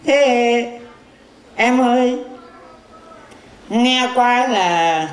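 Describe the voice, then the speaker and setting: A man's voice: extremely high pitch, extremely slow, exaggerated voice. A man playing a boastful, teasing blind fortune teller in a stage comedy skit. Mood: flirty. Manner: bragging, teasing, insulting banter. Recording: echoey live stage with audience.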